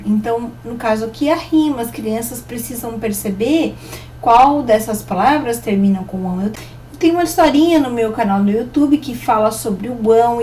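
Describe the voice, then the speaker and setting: A woman teacher giving a recorded online lesson, explaining patiently and slowing down to sound out example words. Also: a little high, dark tone, recorded from a distance, a little hiss or hum, rough recording.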